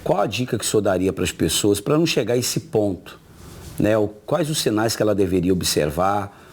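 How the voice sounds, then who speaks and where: A man's voice: fairly low pitch, lively intonation, a little fast, husky. A man hosting a TV studio interview, asking long questions with repeated tag questions. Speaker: TV interview host.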